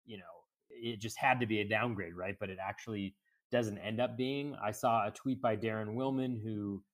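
A man's voice: lowish voice, fairly even intonation, moderate pace. A man with a cold hosts a casual podcast, his voice cracky and sniffly. He talks with eager energy, leaning on fillers as he chats. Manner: enthusiastic, chatty with fillers. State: sick with a cold, sniffling and coughing. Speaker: podcast host.

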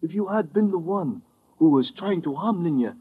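Serene old mystic priest, husky highish voice, formal and cryptic, muffled vintage radio drama. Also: male voice, expressive. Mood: cryptic, instructing. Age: older. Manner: solemn, formal, measured pronouncements. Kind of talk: 1950s radio drama acting.

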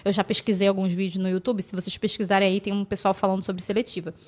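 A woman from Brazil telling animated stories as a podcast guest, acting out the people she quotes and laughing often. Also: medium pitch, fast talker. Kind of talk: casual storytelling chat.

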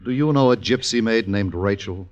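Actor as a low, solemn gypsy conspirator. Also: male voice, a little mellow, muffled recording, close to an everyday voice. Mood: conspiratorial. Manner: grave, deliberate, portentous. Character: solemn, conspiratorial gypsy avenger guarding tribal vows. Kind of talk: old-time radio drama acting.

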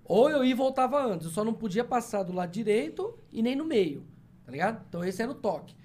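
A man's voice: very high voice, sing-song, darkish tone. A young man in casual chat, telling rambling stories full of swearing, with sudden vocal tics and repeated words. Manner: swears a lot, fast rambling storytelling.

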